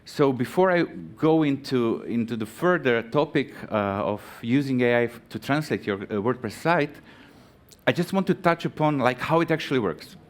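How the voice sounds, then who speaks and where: A man from Croatia in his thirties giving a live conference talk, halting with many fillers and restarts, friendly and chatty with the audience. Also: medium pitch, animated. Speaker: conference speaker. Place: conference stage.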